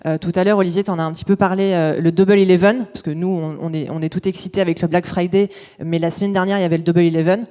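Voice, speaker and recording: Woman pitching, mellow voice. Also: fairly even intonation, fast. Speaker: company founder presenting. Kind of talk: business pitch presentation.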